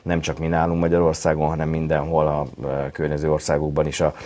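A man's voice: rumbling low, completely flat delivery, a little mellow. A man running a spa company answers interview questions, hesitant, with many fillers and restarts.

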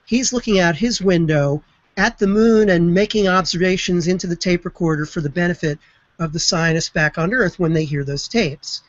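A man who studies spaceflight history retells an event with lively enthusiasm in an online video chat. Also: high voice, normal speed, no room sound. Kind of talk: storytelling explanation. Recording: slightly muffled web broadcast.

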